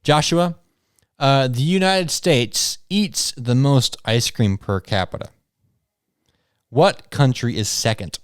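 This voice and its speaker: A man's voice: mid-range voice, slow pace, clear, resonant tone, no echo. Dry-sounding joking male podcast quiz host. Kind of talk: casual podcast chat, hosting a trivia game.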